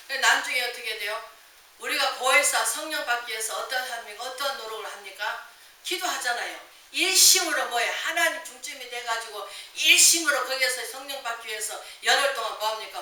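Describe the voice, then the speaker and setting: A woman's voice: fairly high pitch, sharp tone. A woman pastor preaching a sermon, asking the congregation one rhetorical question after another. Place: church sanctuary. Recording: echoey church hall with hiss, mic at a distance.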